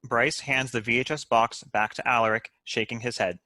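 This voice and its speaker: A man's voice: mid-range voice, steady tone, moderate pace, sharp tone, no echo. A man reading screenplay stage directions as scripted narration.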